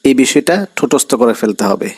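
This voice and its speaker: A man's voice: mid-range voice, quick pace, darkish tone, breathy edge, poor audio. A man teaching an Arabic grammar class, reading Arabic text and explaining it in Bengali with quiz-style questions to students.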